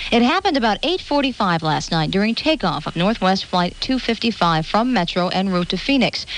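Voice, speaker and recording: Her pitch swings very widely, and a woman speaks with hardly any pauses. Light background noise is present, and the sound is dry with no echo. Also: moderate pace. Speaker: radio news anchor. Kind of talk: 1980s radio news bulletin, anchor reading. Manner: formal, grave, steady newsreader. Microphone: old recording.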